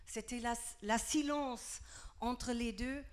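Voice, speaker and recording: A woman's voice: fairly high pitch, steady tone, takes it slowly. A woman with a German accent, French not her first language, giving a prepared talk at a festival, searching for her words. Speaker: literary critic, festival speaker. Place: festival stage with audience. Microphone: handheld microphone.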